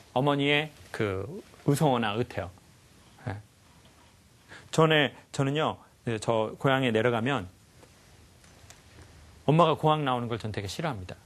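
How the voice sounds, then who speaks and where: Animated man giving a stage lecture. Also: mid-range voice. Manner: animated, acts out quotes and sounds, asks the audience questions.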